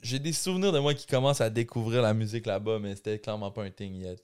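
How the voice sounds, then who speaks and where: A man with a Québécois accent, a guest musician answering podcast questions in a relaxed, slangy, conversational way. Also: lowish voice, quick pace, clear, resonant tone. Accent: Québécois French. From Quebec City, Canada. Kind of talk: casual podcast interview.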